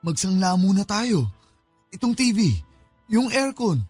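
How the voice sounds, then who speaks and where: A wheedling, desperate gambler boyfriend in a radio drama. His voice sits fairly high, whiny and pleading, with music playing underneath. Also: a little slow, a little mellow, slightly rough. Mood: desperate begging. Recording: dramatic music bed behind the voice.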